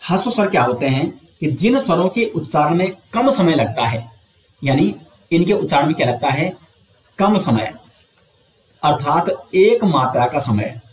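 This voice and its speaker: A man teaching an exam coaching lesson, explaining step by step, asking and answering his own questions, and drawing out sounds slowly to show them. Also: fairly high pitch, reverberant.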